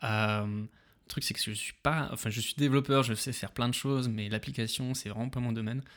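A very fast man's voice with fairly even intonation, on a very clean recording with a silent background. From north-eastern France, Moselle. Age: 30s. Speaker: software developer and entrepreneur. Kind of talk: casual interview. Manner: hesitant, many fillers.

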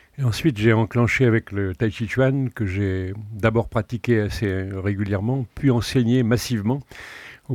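A man's plain, everyday voice, fairly low in pitch, with fairly even intonation at a moderate pace, dry and close with no echo, on a very clean recording with a silent background. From France. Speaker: breathing expert and author. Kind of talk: interview.

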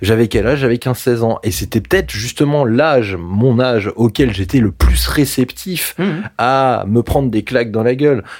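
A man's medium-pitched voice with ordinary pitch variation, moderate pace, and noticeable background noise. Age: 30s. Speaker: podcast panelist. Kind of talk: casual chat.

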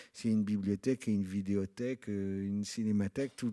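A man's fairly low, dark and mellow voice at a moderate pace with fairly even intonation, dry and close with no echo, on a very clean recording with a silent background. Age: 60s. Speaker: writer. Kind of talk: public book talk interview.

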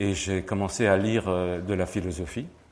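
With audible room echo, a man speaks at a fairly low pitch. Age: 60s. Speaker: church elder candidate. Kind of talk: testimony. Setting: church.

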